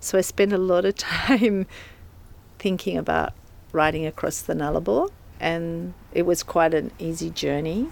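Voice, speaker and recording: The speaker has an Australian accent and talks at a fairly slow pace, with ordinary pitch variation. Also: woman, fairly low pitch for a woman. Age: 50s. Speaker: small business owner and long-distance cyclist. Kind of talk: casual interview chat. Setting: outdoors on a front porch.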